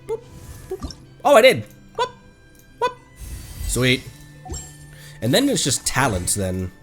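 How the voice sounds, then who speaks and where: A man chatting casually on a live game stream, playful and quick to react excitedly. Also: mid-range voice. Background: video game music.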